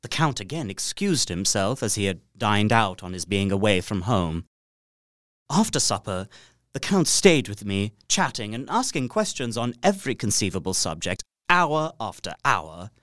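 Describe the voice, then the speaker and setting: A man's voice: on the low side, big pitch swings, moderate pace, a bit bright, no room sound, studio quality. An actor playing an uneasy young solicitor, narrating his journal formally and dramatically in an audio drama. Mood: uneasy, hushed.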